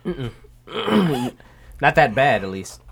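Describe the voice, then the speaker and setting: A man's voice: medium pitch, very animated, takes it slowly, gravelly, fairly bright tone, breathy edge. A man in a casual sports podcast chat, blunt and profane in his opinions.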